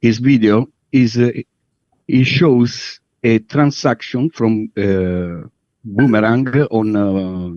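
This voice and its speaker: A man's voice: fairly low pitch, steady tone, takes it slowly, a little mellow, no echo. Man, italian accent, hesitant, lots of fillers, dry muffled call audio. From Italy. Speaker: call participant. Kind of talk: casual video call.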